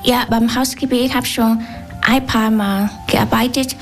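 Young Vietnamese-accented woman, halting German. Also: fairly high pitch, fairly even intonation, soft background music. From southern Vietnam. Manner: simple, halting German with searching pauses. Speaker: hotel trainee, interviewee.

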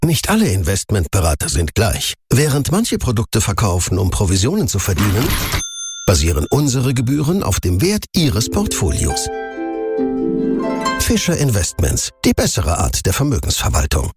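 Male ad voice, lowish and super swingy, music playing under him. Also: huge pitch swings, normal speed. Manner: smooth, persuasive announcer. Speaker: ad voice-over. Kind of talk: scripted commercial read.

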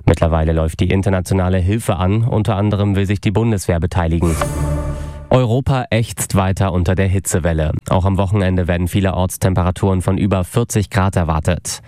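A man reading the radio news in a steady, formal manner. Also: sits low, dry recording, clean studio sound. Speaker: news anchor.

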